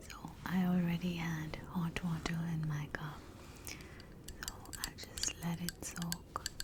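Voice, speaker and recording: A woman whispering at a very slow pace in a gentle tone, with long, frequent pauses and noticeable background noise. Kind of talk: ASMR tea collection showcase, soft whispers. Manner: soft-spoken, whispered, gentle.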